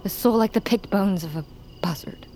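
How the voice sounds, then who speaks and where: An actress in an audio drama playing a proud, wounded young tribal warrior woman, intense and distrustful, often sinking into breathy near-whispers. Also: medium pitch, normal speed, warm tone, a little hiss or hum, lightly acted. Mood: bitter, brooding. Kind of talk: scripted audio drama acting. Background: music under the dialogue.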